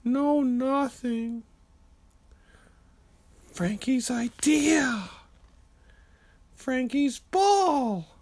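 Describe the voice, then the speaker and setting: A woman voicing a friendly, childlike dog sock puppet telling a children's story in a goofy, simple, drawn-out way. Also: high-pitched, a little mellow, full character voice. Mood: sorry, then eager.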